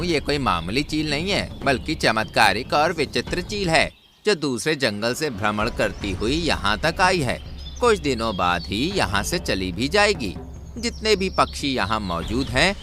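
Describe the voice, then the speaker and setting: A man's voice: medium pitch, big pitch swings, measured pace. A man voicing an earnest, credulous black crow in a cartoon, explaining insistently.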